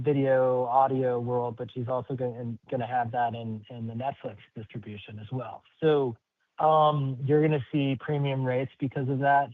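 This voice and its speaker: A man speaking as a company executive answering questions on an earnings call, halting, rambling and upbeat. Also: medium pitch, no room sound. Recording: slightly muffled, dry call audio.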